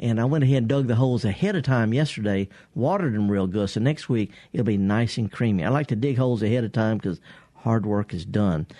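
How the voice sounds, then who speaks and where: A man with a dark, mellow tone and a Southern US accent, talking at a very fast pace over a quiet background. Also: medium pitch for a man, ordinary pitch variation. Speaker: radio host and horticulturist. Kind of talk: call-in radio show. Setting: radio studio. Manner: animated.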